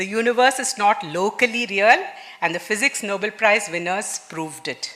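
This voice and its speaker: A woman with a Telugu accent talks at a moderate pace in a medium pitch with lively intonation. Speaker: engineer and quantum physicist speaking on Vedanta. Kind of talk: conference talk.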